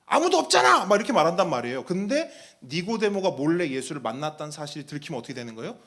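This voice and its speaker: A man's voice: on the high side, animated, very fast. A man, a pastor, preaching a sermon, asking the congregation questions and acting out the voices he quotes.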